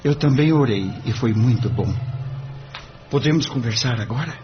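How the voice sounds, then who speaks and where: A man voicing an earnest, polite young lawyer gently reassuring a client. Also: medium pitch, expressive, normal speed, over music, natural voice. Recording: dull lo-fi with faint noise.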